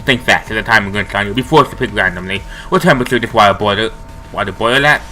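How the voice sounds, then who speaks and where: A man hosting a let's play, reading the game's narration aloud in an expressive, jokey way. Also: lowish voice, fast talker, faint music behind. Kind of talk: reading game text aloud.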